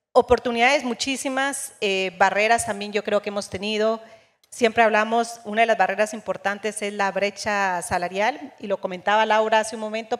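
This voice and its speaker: A woman from Guatemala, an executive, answering as a panelist in a fluent, composed way. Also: mid-range voice. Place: conference stage. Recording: long hall reverb.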